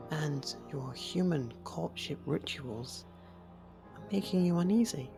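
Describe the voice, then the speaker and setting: A woman voicing a possessive, softly menacing fairy royal in love, coaxing in an ASMR roleplay and slipping into whispers. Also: low voice, creaky, full character voice. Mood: calm, coaxing.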